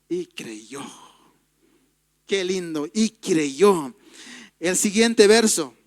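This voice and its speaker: A man's voice: high-pitched, fairly bright tone, no room sound, clean studio sound. A man preaching a sermon, reading Bible verses aloud and retelling the story with feeling. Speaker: pastor. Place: church.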